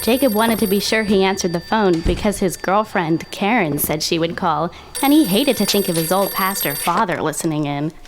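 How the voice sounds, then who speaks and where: A woman's voice: medium pitch, expressive, normal speed, few pauses, natural voice. An actress playing a sardonic, uneasy teenage schoolgirl who tells her eerie story in a wry, slangy, dramatic way. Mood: wry, eerie narration. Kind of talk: audio drama narration and dialogue. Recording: loud music under voice.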